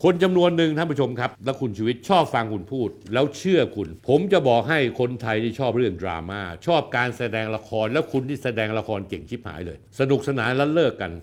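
A man's voice: mid-range voice, animated, fast talker, hardly any pauses. An older man in his sixties, a political commentator addressing a rival directly, blunt, coarse and accusatory. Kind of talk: confrontational on-camera address.

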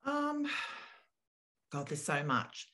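A woman's voice: sits low, very animated, pushed and bright. Earnest woman in her late fifties. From Australia. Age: 50s. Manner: earnest, reflective, unhurried. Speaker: property consultant. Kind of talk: interview guest.

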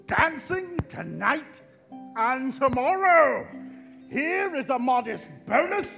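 A man's voice: very high-pitched, very animated, takes it slowly, gravelly, pushed and bright, exaggerated voice. A man playing a jolly, boisterous old warehouse master in a stage radio play. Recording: live stage recording, music underneath.

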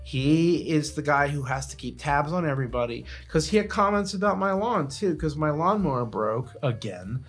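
A man's voice: fairly high pitch, lively intonation, moderate pace, few pauses, slightly rough, soft background music. A man telling stories in casual comedic podcast chat, swearing freely and grumbling with animation. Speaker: podcast co-host.

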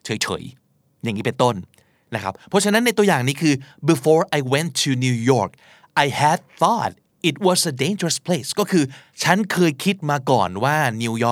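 A man's voice: medium pitch, no echo, studio quality. A man hosting a talk show about English usage, talking in a casual, slangy, explanatory way with emphatic asides. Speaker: podcast host teaching English.

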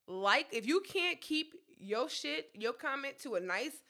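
A woman with co-hosts a casual talk show, blunt, profane and animated. Her voice sits high and has a sharp, bright edge. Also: a little slow. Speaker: podcast co-host. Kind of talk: casual chat.

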